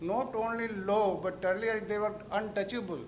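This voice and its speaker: This man's voice sits high in pitch and stays monotone and flat. Room echo is audible around him. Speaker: conference presenter, education researcher. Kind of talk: conference presentation.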